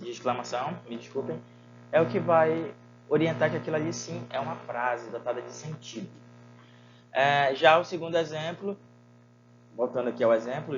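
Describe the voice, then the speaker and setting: In a recorded online lesson, a man teaches Portuguese in a medium-pitched voice, asking his students rhetorical questions and using many fillers. The highs in the audio are cut off.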